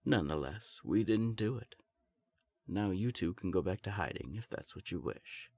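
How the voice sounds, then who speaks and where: Man acting a deep, husky, condescending vampire elder. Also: expressive, darkish tone. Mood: coolly formal. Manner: measured, dry, condescending. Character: formal, dryly condescending male vampire elder of the council. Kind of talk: audio drama acting.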